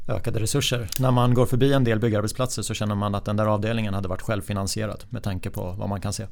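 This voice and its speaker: The voice rushes along at a very fast pace with hardly any pauses and fairly even intonation, with audible room echo. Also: man, fairly low pitch for a man. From Sweden, Stockholm area. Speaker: podcast host. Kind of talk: podcast interview.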